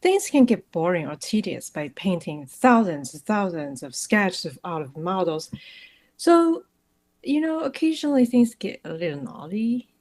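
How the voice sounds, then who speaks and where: A woman's voice: mid-range voice, sing-song, normal speed, darkish tone. A woman improvising a cheeky painter with a sly, drawling delivery. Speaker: improv performer.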